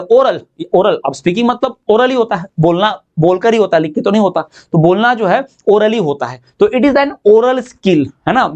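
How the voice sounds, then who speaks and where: In an exam-prep lecture, a male teacher with a high, slightly mellow voice explains mostly in Hindi and frequently poses questions that he then answers himself. His pace drops sharply whenever he reads out the English definitions.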